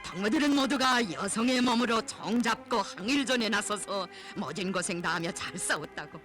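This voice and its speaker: A man's voice: high-pitched, expressive, normal speed, pushed and bright. A man with a North Korean accent reading scripted propaganda film narration in a reverent, solemn, emotive declaiming manner. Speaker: documentary narrator. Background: music.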